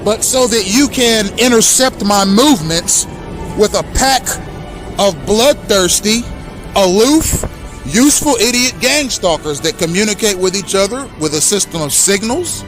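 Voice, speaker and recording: A man in his thirties with a notably high voice speaks directly to his audience in an impassioned monologue. His tone is accusatory and emphatic, and he slows down to lean hard on key words. Soft music plays faintly in the background. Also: lively intonation. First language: English. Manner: accusatory, emphatic, slow deliberate stresses. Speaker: host.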